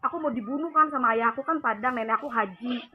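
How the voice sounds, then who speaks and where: High-voiced woman on a tinny phone line. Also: fast talker, slight background noise. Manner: rambling, many fillers. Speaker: caller giving a testimony. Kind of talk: emotional personal testimony. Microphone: phone call.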